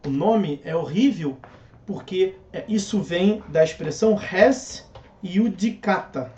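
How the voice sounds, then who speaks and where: A man teaches civil procedure, keeping it conversational with rhetorical questions and jokey asides. His voice sits high. The recording is dull and lo-fi. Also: expressive, slow, dark tone. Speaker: law lecturer.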